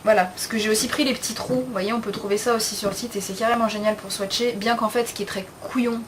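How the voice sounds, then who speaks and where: A woman's voice: a little high, steady tone, fast, background noise. A young woman talking casually in a beauty haul video, chatty and frank, with slang and many fillers. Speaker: beauty vlogger.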